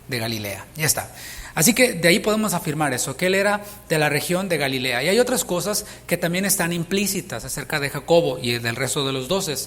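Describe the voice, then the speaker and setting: A man's voice: fairly high pitch, lively intonation, brisk, fairly bright tone, big-room sound. A Mexican man preaching a sermon as pastor, speaking conversationally and asking his listeners questions. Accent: Mexican Spanish. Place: church sanctuary.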